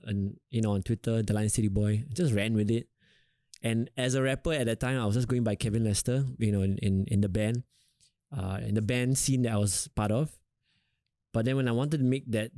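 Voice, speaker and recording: A young adult man from Singapore with a Singaporean English accent, a rapper talking casually in an interview, relaxed and rambling with lots of fillers. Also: on the low side, no room sound, clean studio sound.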